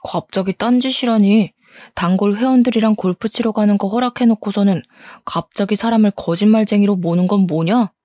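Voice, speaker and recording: A woman's voice: mid-range voice, a little fast, warm tone, no echo, clean studio sound, lightly acted. A woman voicing an angry cheating husband who blusters, scoffs and shifts the blame. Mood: scornful. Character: angry, defensive cheating husband in his thirties. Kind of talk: audio story dramatization.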